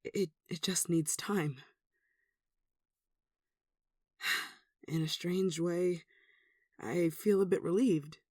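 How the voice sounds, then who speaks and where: A performer with a mid-pitched voice playing an anxious, devout, caring villager in an earnest, hesitant ASMR roleplay. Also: fairly even intonation, slow pace, dry recording, clean studio sound. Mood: uneasy, tender. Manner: earnest, hesitant, soft sighing delivery. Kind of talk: ASMR roleplay audio drama.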